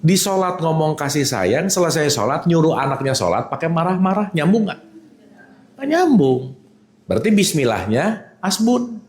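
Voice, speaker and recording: Animated man teaching in an echoey room. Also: fairly high pitch, moderate pace. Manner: animated, teasing, checks in with the audience. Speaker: religious teacher. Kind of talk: casual religious lecture.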